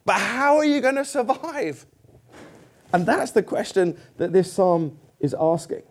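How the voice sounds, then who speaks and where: A middle-aged man preaches a sermon in church in a high-sitting, unhurried voice. He is conversational and self-deprecating, posing questions to the congregation.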